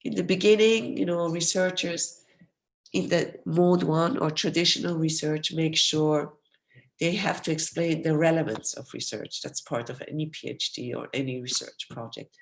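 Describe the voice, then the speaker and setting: A woman professor giving an academic research lecture over a video call in an explanatory, steady way, losing her voice and coughing now and then. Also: deep voice, normal speed, creaky. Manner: explanatory, steady, apologetic when interrupted.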